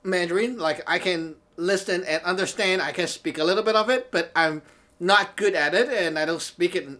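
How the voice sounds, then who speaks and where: At normal speed and with a sharp tone, a high-pitched, chatty man from Hong Kong delivers a casual talk show monologue to camera. Cantonese is his first language; he's a Taoist teacher and show host who laughs often and keeps saying "okay?".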